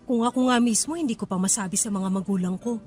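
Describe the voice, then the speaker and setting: A woman's voice: mid-range voice, quick pace, a little mellow, soft background music, lightly acted. Woman acting a guarded, hurt young hostess. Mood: resigned. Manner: pleading, emotional. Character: guarded, hurt young KTV hostess pushing away her suitor. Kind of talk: radio romance drama acting.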